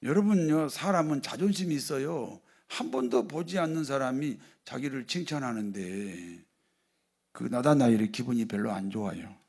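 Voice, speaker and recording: A male pastor giving a sermon, often putting rhetorical questions to the congregation and moving between loud emphasis and quiet asides. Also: medium pitch, animated, normal speed, gravelly.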